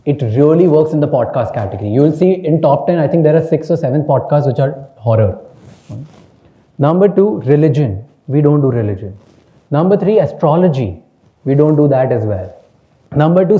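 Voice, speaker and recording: A Hindi-speaking podcast host with an Indian accent talks candidly on a panel in a voice on the high side, and the sound is lo-fi. He slips between English and Hindi and laughs often.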